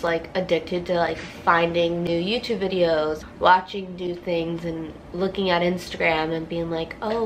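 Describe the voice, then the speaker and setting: A woman's voice: on the low side, a little hiss or hum, low-quality recording. A young woman with a stuffy nose from a cold, talking casually and heartfelt in a confessional vlog and saying "like" constantly. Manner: rambling, heavy use of "like", heartfelt. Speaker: vlogger.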